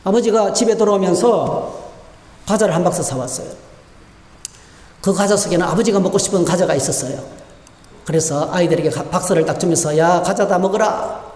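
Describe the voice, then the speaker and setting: A man's voice: sits high, fairly quick, long pauses, darkish tone. A male pastor preaching a sermon, telling stories and asking the congregation rhetorical questions, in a church. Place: church sanctuary. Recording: echoey church hall with long reverb.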